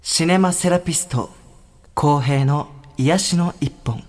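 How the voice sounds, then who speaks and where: A man's voice: on the high side, slow pace, very noisy. A male radio host doing a mock-solemn therapist act, speaking in a formal, grandiose way with a heavy echo effect on his voice, like a cathedral. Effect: heavy echo added to his voice, like a cathedral.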